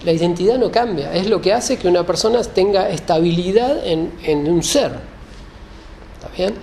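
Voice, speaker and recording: A man's voice: sits high, normal speed, gravelly, dark tone, a little hiss or hum. A man giving an explanatory lecture, speaking didactically, often rephrasing and checking that listeners follow.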